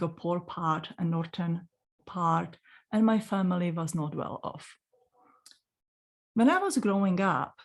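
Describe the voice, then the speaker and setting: A woman in her forties with a Czech accent, telling a personal story in a gentle, unhurried way and speaking directly to the listener. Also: fairly low pitch. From Czech Republic. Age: 40s. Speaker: spiritual channeler.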